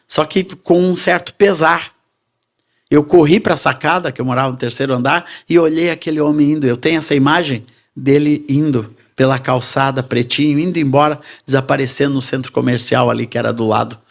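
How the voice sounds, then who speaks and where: A man's voice: medium pitch, a little fast, vocal fry. Brazilian man telling his testimony. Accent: Brazilian Portuguese. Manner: animated, addressing the congregation as brothers. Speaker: preacher giving testimony. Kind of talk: sermon testimony storytelling.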